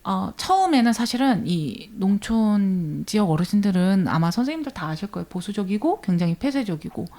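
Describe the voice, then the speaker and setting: Earnest woman with a soft lilt. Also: mid-range voice, fairly quick, few pauses. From rural Jeolla region of Korea. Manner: earnest, animated storytelling with quoted voices. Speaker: guest, village media educator. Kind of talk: conversational interview. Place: radio studio.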